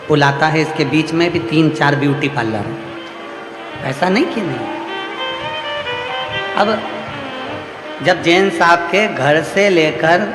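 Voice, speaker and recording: A man giving a devotional sermon at a large gathering, preaching in repetitive, rhythmic phrases that build in emphasis. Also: a little high. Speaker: religious storyteller. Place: large hall at a religious gathering. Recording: echoey hall with music behind.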